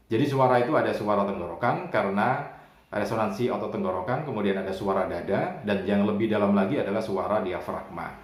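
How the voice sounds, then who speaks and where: A man giving a chatty public speaking lesson to camera, with frequent tag fillers. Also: on the low side. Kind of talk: spoken voice tutorial to camera. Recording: roomy echo.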